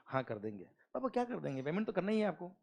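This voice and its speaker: A man's voice: high-pitched, sing-song, fast talker, vocal fry, darkish tone. A middle-aged man teaching a class, telling a story and acting out its dialogue.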